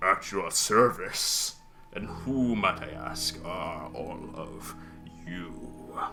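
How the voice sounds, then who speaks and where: Clear music plays in the background as a man uses a put-on character voice at a very slow pace. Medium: actual play. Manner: pompous, oily, theatrical.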